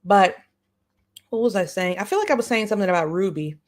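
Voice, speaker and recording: A woman's voice: medium pitch, expressive, fast talker. A woman hosting a live stream in casual reaction chat, informal and slangy, often saying y'all. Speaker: live-stream host and commentator.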